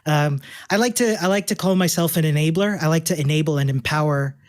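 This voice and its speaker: A man's voice: a little high, fast talker. Upbeat man from Chile, laughing easily. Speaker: guest, developer relations engineer. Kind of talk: casual interview chat.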